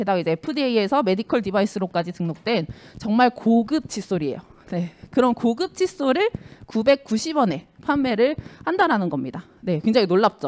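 On a quiet background, a woman with a fairly high pitch speaks at a moderate pace, her pitch swinging very widely. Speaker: business seminar speaker; speaker. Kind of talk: lecture. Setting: seminar hall with live audience. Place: hall. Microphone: handheld.

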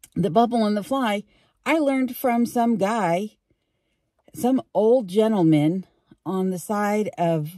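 A woman's dark, mellow voice at a fairly slow pace, dry with no echo, over a quiet background. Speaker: vlogger. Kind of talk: casual vlog chat. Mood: relaxed, self-deprecating. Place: car.

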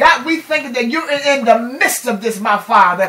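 A woman at a high pitch and a moderate pace. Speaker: prayer leader. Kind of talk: fervent spontaneous prayer, rhythmic pleading invocation. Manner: run-on, breathless cadence stacking 'oh God' and 'hallelujah'; impassioned, repetitive crying out for mercy.

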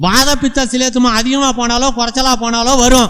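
An extremely high-pitched man speaks in an animated tone. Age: 60s. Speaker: traditional Tamil medicine doctor and organic farmer. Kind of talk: public talk.

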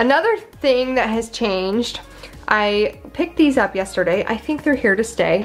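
The delivery has lively intonation and a moderate pace. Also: woman. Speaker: home renovation vlogger. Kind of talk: casual vlog chat. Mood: upbeat, excited. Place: home room. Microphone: phone near.

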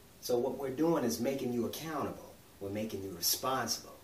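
The room echo is audible as a man talks. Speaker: fitness coach. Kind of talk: instructional explanation of challenge rules. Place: home room. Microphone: camera far.

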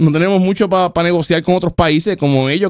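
A man talks fairly quickly, the sound dry with no echo and the background quiet. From Puerto Rico. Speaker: political commentary podcaster; livestream host. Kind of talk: reaction commentary on a video, casual. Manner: animated, sarcastic interjections. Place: studio. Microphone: studio mic.

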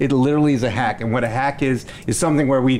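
Light background noise accompanies a man speaking fairly quickly. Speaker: panelist. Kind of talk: panel discussion. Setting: stage with audience. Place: cafe. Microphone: headset.

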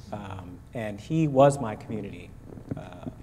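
A man talks with lively intonation over light background noise. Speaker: panel moderator, horn professor. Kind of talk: panel discussion. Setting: conference stage with audience. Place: hall. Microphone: lapel.

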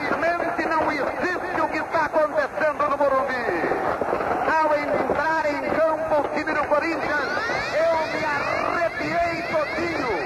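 Crowd noise fills the background as the speaker goes at a fairly slow pace. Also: man. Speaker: radio sports commentator. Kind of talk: commentary. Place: stadium. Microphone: old recording.

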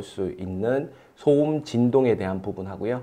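The voice has a Gyeongsang accent and a dark, mellow tone. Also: man. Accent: Gyeongsang dialect Korean. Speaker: university professor, elevator lecturer. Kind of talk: lecture. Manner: animated, gets excited while lecturing.

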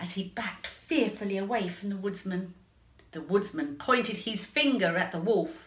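The voice belongs to a reader. It is reading aloud in a natural voice.

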